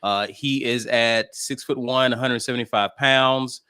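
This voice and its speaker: Man, sports show host, medium pitch, bright and forceful, casual banter and sports news. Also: steady tone, unhurried, clear, resonant tone.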